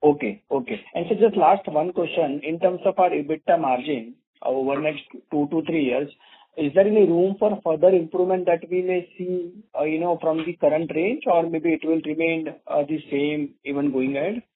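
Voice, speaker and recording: Indian guy analyst on a phone call, slightly high voice, asking long polite questions. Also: normal speed, breathy edge. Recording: narrow, phone-like call audio.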